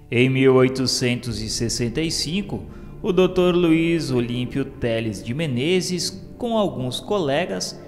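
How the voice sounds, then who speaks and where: A Brazilian man reading a scripted radio narration in a solemn, formal, measured way. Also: medium pitch. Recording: long reverb, music behind the voice. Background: music.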